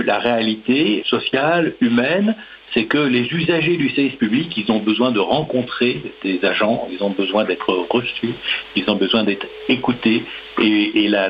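A man's voice: medium pitch, a little hiss or hum. Hesitant man with a dull line. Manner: hesitant, many fillers and restarts. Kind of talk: radio discussion.

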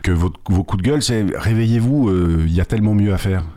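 A man hosting a radio interview, relaxed and teasing, asking long winding questions. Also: on the low side, fast. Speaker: radio host. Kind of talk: conversational interview.

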